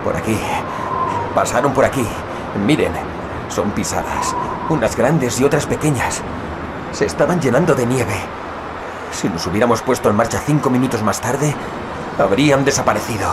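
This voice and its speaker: A man's voice: mid-range voice, lively intonation, normal speed, long pauses, close to an everyday voice. Man acting a frantic, wildly swinging-voiced husband. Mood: frantic urgency. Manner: desperate, shouting and pleading. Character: frantic husband and father searching a snowstorm for his family. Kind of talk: Spanish-language audio drama acting. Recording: loud wind and outdoor ambience behind.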